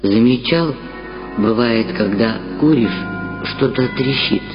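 A man voicing a laid-back, melancholic young stoner who explains things deadpan in an audiobook. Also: medium pitch, slow, natural voice. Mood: matter-of-fact. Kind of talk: audiobook character dialogue. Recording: dull sound, long reverb, loud music.

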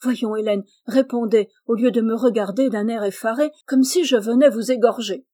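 A woman's voice: a little high, normal speed, warm tone, natural voice. A woman doing a hearty, blunt male farmer.

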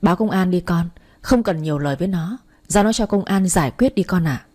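A woman's voice: lowish voice, a little fast, lightly acted. Woman reading as a furious scolding grandmother. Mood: vengeful. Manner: shouting insults through clenched teeth.

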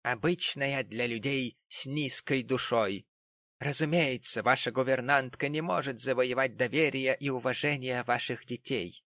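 A man's voice: mid-range voice, moderate pace, a bit bright, no echo, lightly acted. A man voicing an earnest young man who speaks firmly and with restraint, in an audiobook reading. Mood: restrained. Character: earnest young man defending his sister.

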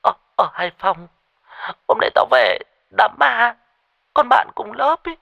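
A man's voice: on the high side, brisk, no room sound, highs cut off, pitched above the performer's own voice, natural voice. A man voicing a terrified young woman who stammers and pleads over the phone in a ghost story. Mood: frightened. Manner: stammering, panicky, breathless pleading.

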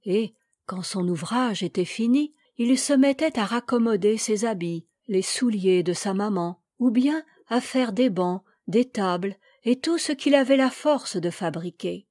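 A woman reading a classic children's tale aloud in a measured, expressive storytelling manner. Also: medium pitch, dry recording, clean studio sound. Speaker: reader.

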